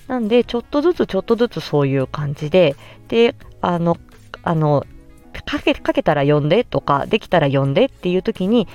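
A woman speech therapist hosting a solo podcast, explaining gently with many pauses and fillers. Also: fairly low pitch.

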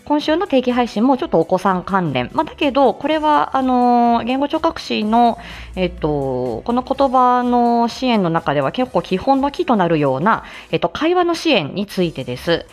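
A woman's voice: on the high side, big pitch swings, normal speed, darkish tone, faint music behind. A woman who works as a speech-language therapist, chatting casually on her own live stream, full of fillers and little laughs.

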